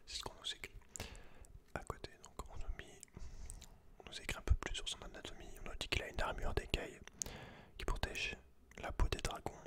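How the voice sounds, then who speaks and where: A man speaking in a breathy, unvoiced whisper, reading aloud in an ASMR style with informal, soft-spoken asides to the listener. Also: brisk, long pauses. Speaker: ASMR video creator.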